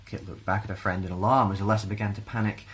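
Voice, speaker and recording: A man with a Scottish accent reading a children's fantasy story aloud in a gentle, expressive way. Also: lowish voice, fast. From Scotland.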